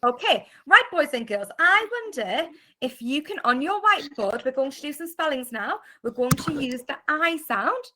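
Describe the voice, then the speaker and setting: A British woman teaching an online phonics class to young children, sounding out letters clearly and praising often. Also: high voice, animated, moderate pace, pushed and bright, a little hiss or hum. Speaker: primary school teacher. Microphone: video call.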